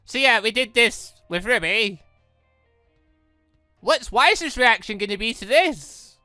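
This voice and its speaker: Man, let's play commentary, bright forceful voice, rambling, dry close sound. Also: very high voice, animated, takes it slowly, no room sound. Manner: rambling, stammering self-corrections. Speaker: gaming video host. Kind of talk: let's play commentary, reading visual novel dialogue aloud. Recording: music behind the voice.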